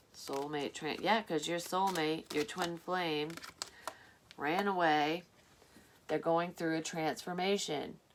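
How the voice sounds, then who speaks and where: A woman speaks at a very slow pace with long, frequent pauses and fairly even intonation. Her pitch is fairly low, and there is noticeable background noise. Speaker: psychic tarot reader. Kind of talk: tarot reading monologue. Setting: at home at night. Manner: quiet, keeping volume low; casual, swearing.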